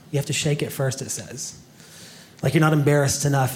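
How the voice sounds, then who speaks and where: At a very fast pace, a man with a fairly high pitch sounds somewhat breathy. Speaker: comedian. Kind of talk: stand-up. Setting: stage with audience.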